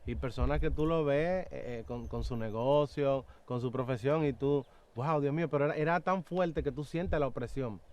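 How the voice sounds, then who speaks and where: A young man giving an earnest, halting personal testimony in an interview, acting out quotes as he tells it. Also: mid-range voice, a little mellow. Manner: earnest, halting, with many fillers and acted-out quotes.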